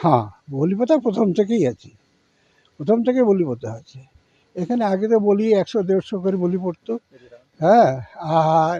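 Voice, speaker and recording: Lively intonation and big swings in loudness mark this man's high-pitched voice, which has a dark, mellow tone. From West Bengal, Egra (Purba Medinipur). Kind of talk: interview. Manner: halting.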